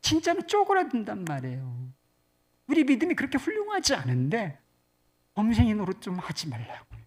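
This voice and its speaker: A woman pastor preaching in a conversational, animated way, moving between soft and loud. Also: mid-range voice. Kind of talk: sermon.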